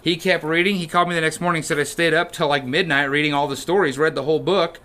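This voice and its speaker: Male church podcast co-host, slightly high voice, animated storyteller. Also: quick pace, slight background noise. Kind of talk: casual chat.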